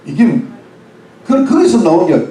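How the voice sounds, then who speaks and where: A man's voice: high voice, big pitch swings, unhurried, mellow, echoey room, distant mic, slight background noise, rough recording. A man preaching a sermon as pastor, explaining words one by one with English phrases and asking the congregation questions. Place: church.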